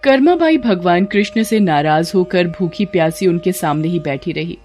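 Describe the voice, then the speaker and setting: A woman narrating a scripted devotional story in an even, clear storytelling voice. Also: fairly low pitch, moderate pace. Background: faint background music.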